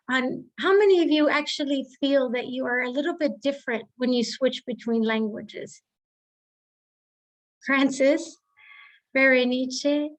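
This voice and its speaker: A woman with a distinctly high voice leads a training session for coaches. She speaks as a facilitator, putting questions to the group.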